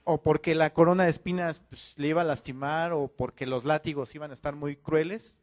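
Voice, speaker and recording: A man's voice: a little high, fairly even intonation, brisk, darkish tone. A man preaching a fiery sermon, firing off rhetorical questions and calling his listeners to repent. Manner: acts out quoted voices of churchgoers.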